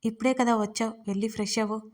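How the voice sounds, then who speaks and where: A woman voicing a caring young husband who speaks calmly and teases gently. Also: high-pitched, quick pace, close to an everyday voice. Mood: caring, teasing.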